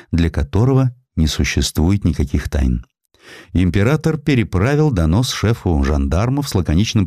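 A man narrating historical prose as an audiobook reader, in an expressive, theatrical storytelling manner. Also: deep voice, no echo, clean studio sound.

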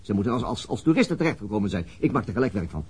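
An actor playing a dogged, weary male police detective in a Dutch radio drama, speaking haltingly. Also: lowish voice, very animated, a little mellow, husky, heavily acted. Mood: eager. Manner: hesitant, halting.

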